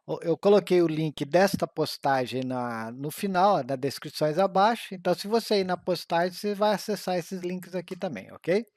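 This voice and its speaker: A man reads an exam-prep grammar lesson, slowing down carefully over the examples. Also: high voice, lively intonation, a little mellow, no echo. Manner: slow, careful reading of examples.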